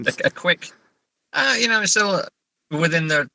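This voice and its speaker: A man's voice: high-pitched, lively intonation, normal speed, vocal fry, sharp tone, dry recording, poor audio. A middle-aged man chatting casually as a guest writer, hesitant and self-deprecating, often stammering. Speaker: guest writer discussing own story. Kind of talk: casual interview chat.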